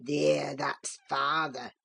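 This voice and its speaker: A woman voicing a spiteful old male farm servant with a croaking, whispery Yorkshire dialect voice. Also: low voice, level tone, extremely slow, fairly bright tone, pitched below the performer's own voice, full character voice. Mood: mocking. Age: older.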